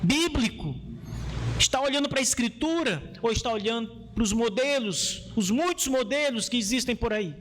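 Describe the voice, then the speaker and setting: Male Brazilian pastor, notably high voice, preaching emphatically with rhetorical questions over some background noise. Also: lively intonation, moderate pace, a bit bright, poor audio. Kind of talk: sermon, exhorting and explaining scripture.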